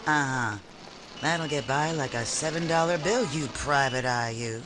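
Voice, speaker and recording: A man's voice: medium pitch, measured pace, music in the background, lightly acted, poor audio. A man voicing a brassy, sarcastic small-business owner in 1940s radio drama style, snappy and brusque. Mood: hostile, dismissive. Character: brassy, tough, sarcastic secretarial service owner Connie.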